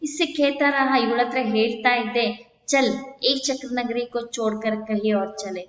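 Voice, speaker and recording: A woman's voice: a little high, steady tone, moderate pace. Woman teaching in an echoey room. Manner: reads Hindi lines, then retells them in Kannada. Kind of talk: explaining a Hindi textbook story in Kannada. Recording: echoey room, dull sound.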